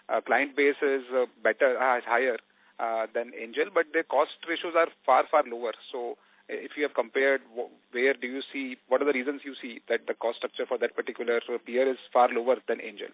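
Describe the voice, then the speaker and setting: A man's voice: mid-range voice, fairly even intonation, brisk, no room sound. A man, an analyst asking questions on an earnings call, with many hesitant fillers. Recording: phone line, dry.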